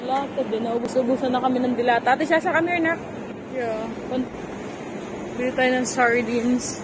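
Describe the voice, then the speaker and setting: A woman's voice: high voice, moderate pace. A woman in her forties chatting to viewers about items as she shops, talking into a phone held at arm's length. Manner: chatty, addresses viewers while shopping. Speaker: vlogger. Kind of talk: casual shopping vlog. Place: busy supermarket aisles, indoors. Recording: loud crowd and store noise.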